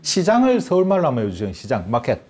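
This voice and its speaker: A man lecturing as a guest on a studio talk show, lively and playful, now and then switching into regional dialect. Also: mid-range voice, fast talker.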